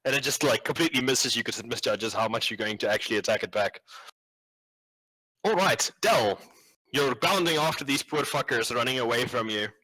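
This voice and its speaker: A man's voice: mid-range voice, lively intonation, a little fast, sharp tone, poor audio. A man acting as game master, improvising tabletop game narration in a casual, sweary, slangy way.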